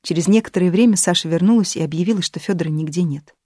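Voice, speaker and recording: Low-voiced woman narrating a novel. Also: fast talker, dark tone, dry recording, clean studio sound. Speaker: audiobook narrator. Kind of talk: scripted narration.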